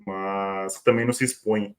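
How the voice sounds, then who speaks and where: A man's voice: lowish voice, fairly even intonation, measured pace. A man giving his frank, repetitive opinions in casual pre-match football talk. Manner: opinionated, repeats himself. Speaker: fan channel pundit.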